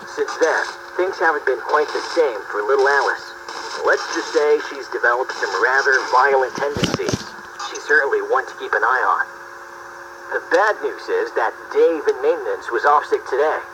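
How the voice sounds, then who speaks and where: Chummy asylum colleague over noisy radio. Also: male voice, mid-range voice. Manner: chummy, wry. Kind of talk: scripted horror game briefing.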